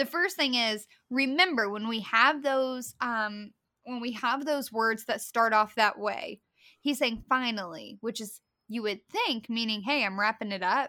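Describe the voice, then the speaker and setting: In an Appalachian accent, a woman speaks fairly slowly with a bright, sharp, fairly high voice and ordinary pitch variation. The recording is very clean, with a silent background. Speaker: podcast co-host, Bible teacher. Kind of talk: Bible teaching chat.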